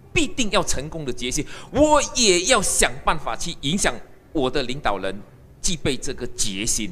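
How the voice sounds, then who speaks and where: Speaking at a fairly slow pace, a man with a bright, sharp tone and vocal fry moves through very wide pitch swings. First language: Mandarin Chinese (speaking Vietnamese). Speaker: motivational speaker, network marketing leader; motivational speaker. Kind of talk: motivational speech to audience, interpreted. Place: hall.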